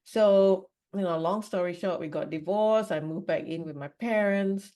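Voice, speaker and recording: A woman's voice: mid-range voice, normal speed, mellow. A woman from Singapore, a podcast guest, telling her life story candidly in a rambling, conversational way. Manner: candid, rambling, frequent "you know" and "like". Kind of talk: personal storytelling in a podcast interview.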